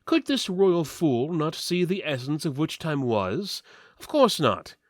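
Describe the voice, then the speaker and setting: A man's voice: on the high side, unhurried, no room sound, studio quality. A man giving a mock-serious dramatic reading of fantasy fiction, narrating theatrically while keeping a straight face. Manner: theatrical, deadpan delivery of absurd lines.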